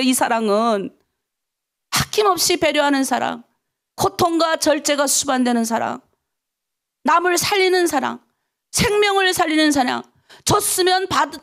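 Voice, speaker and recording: A woman's voice: extremely high pitch, fairly bright tone. A middle-aged woman pastor preaching a dawn prayer sermon, emphatic and personal, full of rhetorical questions and stories from her own life.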